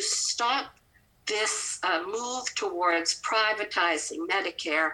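Speaking at a very slow pace, a woman with a Canadian accent has a bright, sharp tone and lively intonation. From Canada. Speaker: health care activist. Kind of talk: casual remarks at an online event. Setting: video call. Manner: halting.

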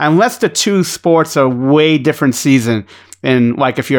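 A man with a Boston accent talks with ordinary pitch variation. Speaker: podcast co-host. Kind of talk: casual, profane.

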